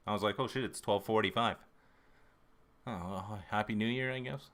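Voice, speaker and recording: Bright-voiced profane fifty-year-old Canadian streamer. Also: male voice, fairly low pitch, moderate pace. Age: 50s. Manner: swears constantly, rambling and self-interrupting. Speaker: livestream host. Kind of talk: casual chat with viewers.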